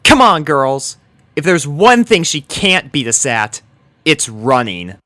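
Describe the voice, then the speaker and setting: A man's voice: on the high side, big pitch swings, slow pace, sharp tone, dry recording, pitched above the performer's own voice, exaggerated voice. A man voicing a smug, teasing teenage girl with a matter-of-fact manner in a story reading. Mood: confident.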